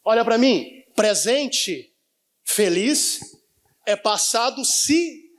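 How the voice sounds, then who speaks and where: Male pastor, high-pitched, live sermon, call-and-response with the congregation. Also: expressive, extremely slow. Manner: prompts the congregation to finish his sentences. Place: church in front of a congregation.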